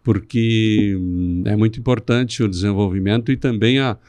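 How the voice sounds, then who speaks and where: A middle-aged man from southern Brazil, a city councilman guest on a podcast, speaking in a measured, speechifying way with some restarts. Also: lowish voice, fairly even intonation, darkish tone, dry recording. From Rio Grande do Sul, Brazil. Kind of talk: podcast interview.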